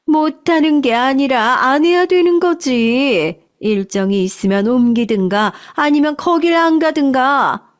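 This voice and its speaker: A woman's voice: high voice, expressive, unhurried, pitched above the performer's own voice. A woman voicing a domineering, condescending middle-aged manager's wife in a storytelling drama. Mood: scolding. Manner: scolding, condescending.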